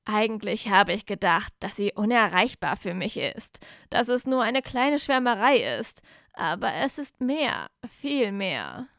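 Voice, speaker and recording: A woman reading aloud voices a proud young male wizard who sounds flat and defeated, speaking low and slowly. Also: gravelly, dry recording, studio quality, full character voice. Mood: weary.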